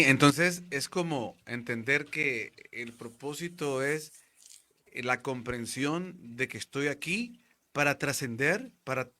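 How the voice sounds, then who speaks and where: A man hosting a spiritual talk show, telling stories with animated acted-out voices. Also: medium pitch. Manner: animated storytelling, acts out quoted voices. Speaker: host.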